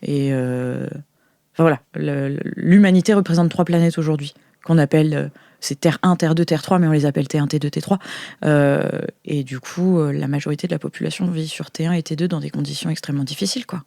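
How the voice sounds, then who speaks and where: In an audio role-play, a woman voices a naive young woman from a sci-fi future, eager, earnest and often puzzled as she hesitantly explains her world. The voice is lowish, gravelly and warm, brisk with fairly even intonation, recorded dry with no echo.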